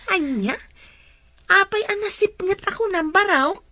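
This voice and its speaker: Actress as older household woman, high-pitched, exclamatory, expressive Ilocano drama delivery. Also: takes it slowly, dry recording, full character voice. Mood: amused. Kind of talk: Filipino radio drama acting in Ilocano.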